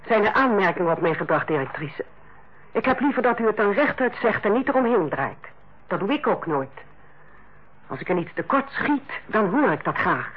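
An actress playing a stern, blunt middle-aged head nurse in a Dutch radio play, with a formal, defensive manner. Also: female voice, mid-range voice, big pitch swings, moderate pace, husky. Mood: defensive, prickly. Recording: dull, lo-fi old radio recording.

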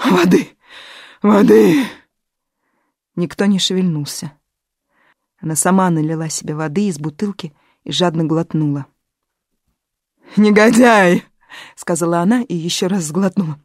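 A woman's voice: a little mellow, no room sound, clean studio sound. A woman voicing a bitter, hysterical middle-aged actress who shrieks and rants in an audiobook. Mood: gasping, demanding. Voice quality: shrill, shrieking. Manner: ranting, slow and drawn-out. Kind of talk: audiobook character voice.

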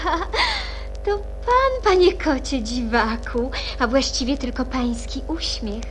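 A woman's voice: high voice, big pitch swings, slow, exaggerated voice. An actress playing a curious, outspoken young girl in a children's radio play, both acting and narrating. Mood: polite, frank. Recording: music behind the voice.

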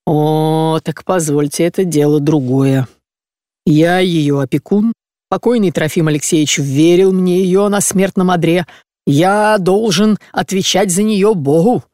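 A man's voice: on the high side, unhurried, a little mellow, no echo, clean studio sound, natural voice. A reader voicing a fussy, evasive older provincial man who meekly pleads and dodges in an audiobook. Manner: flustered, meek pleading.

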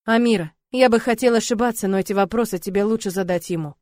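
A woman's voice: mid-range voice, fast talker, a little mellow, dry recording, natural voice. A woman voicing a blunt young man who talks curtly, in a dry recording. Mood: gruff. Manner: frowning, curt.

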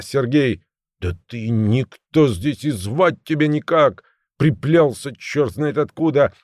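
A man reading an audiobook, voicing a domineering heavyset middle-aged woman who runs a restaurant and shouts and threatens. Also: mid-range voice, no room sound, clean studio sound, voice pushed up, close to an everyday voice. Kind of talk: audiobook character voice.

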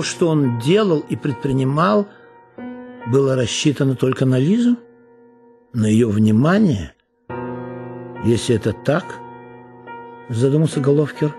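A man, an actor, reading literary prose in a measured, expressive way with deliberate pauses. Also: medium pitch. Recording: reading over background music. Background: music.

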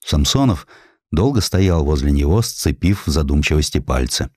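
Deep-voiced male narrator, dry studio sound. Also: lively intonation, normal speed, darkish tone, husky, no echo. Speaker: audiobook narrator. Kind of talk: dramatic scripted narration of historical prose.

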